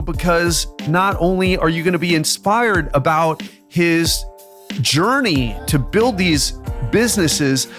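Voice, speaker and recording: A man's voice: high-pitched, a bit bright. Upbeat man hosting a podcast. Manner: upbeat, enthusiastic intro. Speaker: podcast host. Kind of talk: podcast interview.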